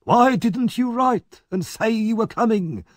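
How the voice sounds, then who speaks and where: A man's voice: extremely high pitch, measured pace, dry recording, studio quality, voice pushed up. A man voicing a sly old crook who speaks with oily, sarcastic politeness. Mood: mocking.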